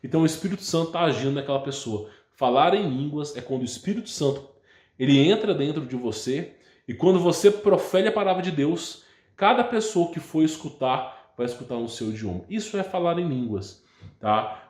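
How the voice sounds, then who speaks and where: A man with a Brazilian Portuguese accent hosts a channel and answers viewer questions in a casual, rambling way, often stopping to check with a quick "tá?". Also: fairly high pitch, lively intonation, darkish tone, reverberant. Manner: rambling, restarts words, ends phrases with a checking "tá?". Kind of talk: casual religious talk.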